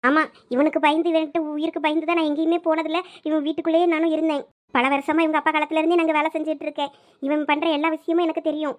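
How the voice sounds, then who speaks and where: A woman's voice: high voice, flat delivery, racing, natural voice. A woman voicing an older female servant in a cartoon, firm and reassuring, with a Thoothukudi Tamil accent. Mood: resolute.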